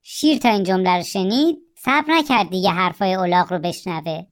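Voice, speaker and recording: A woman with a fairly low-pitched voice reads a children's story aloud, performing it expressively like a storyteller.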